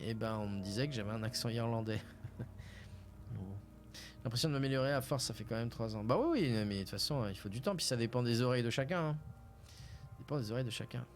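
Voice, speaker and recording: A man's voice: mid-range voice, slight background noise. A young man from France reading a game aloud and chatting casually on a live stream, with hesitations. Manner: casual, hesitant, lots of fillers.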